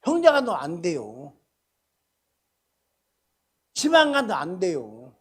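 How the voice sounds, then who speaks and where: Husky older pastor. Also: male voice, high voice, wildly swooping pitch, takes it slowly. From Korea. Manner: colloquial, swings between loud emphasis and soft asides. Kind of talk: sermon. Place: church prayer meeting.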